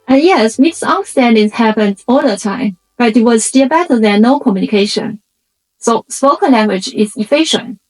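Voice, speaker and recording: A fairly high-voiced woman from China hosts a reflective video essay, explaining in short, measured phrases with a Chinese accent over background music. Her native language is a Chinese dialect, and the recording quality is low.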